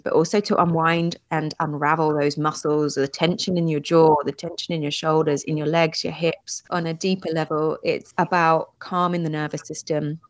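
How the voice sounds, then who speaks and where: A woman yoga teacher, a podcast guest, explaining breathing and calm in a soothing, gentle way. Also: low voice, no room sound. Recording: dry, slightly dull podcast audio.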